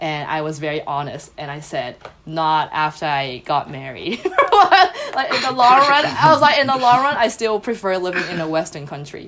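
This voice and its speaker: A woman with a Cantonese accent talks at a medium pitch and moderate pace with very wide pitch swings, over noticeable background noise. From Hong Kong. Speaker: travel YouTuber and former English teacher in Japan. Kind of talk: podcast interview.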